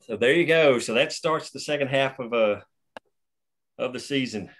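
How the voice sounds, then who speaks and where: A man's voice: mid-range voice, moderate pace, a bit bright, slight background noise. A man hosting a script table read, casually explaining the story and its history, with many restarts. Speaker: writer and host of the table read.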